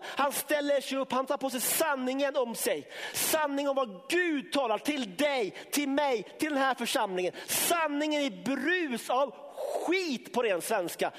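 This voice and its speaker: A man preaching a sermon to his congregation, impassioned, building up to shouting and then dropping low. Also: long reverb tail. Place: church sanctuary.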